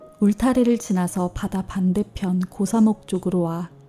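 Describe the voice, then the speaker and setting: With music in the background, a woman at medium pitch speaks in a calm tone at a fairly slow pace with fairly even intonation. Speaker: booktuber reader. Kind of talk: essay reading aloud, ASMR. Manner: soft-spoken, calm.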